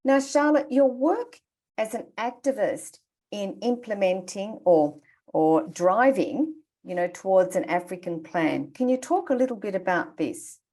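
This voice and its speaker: Woman, moderator, mid pitch, encouraging, asks open questions, video call. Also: expressive, measured pace, dark tone. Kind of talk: online panel conversation.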